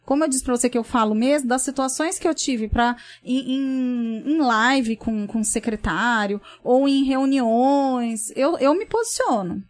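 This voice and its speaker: A woman's voice: sits high, a little slow, few pauses. A young woman with a Brazilian Portuguese accent, a school principal speaking earnestly and outspokenly as an interview guest, often restarting her sentences. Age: young adult.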